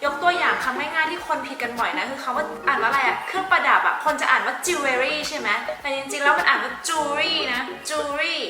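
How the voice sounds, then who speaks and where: A young adult woman giving study tips in a casual tutorial vlog, chatty, with frequent soft polite sentence endings. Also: high-pitched, expressive, fast, few pauses. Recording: roomy echo with faint background music.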